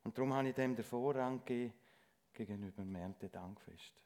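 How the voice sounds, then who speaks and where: A middle-aged man giving a lay sermon in church, speaking earnestly and haltingly with frequent restarts. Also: mid-range voice, darkish tone. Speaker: lay preacher.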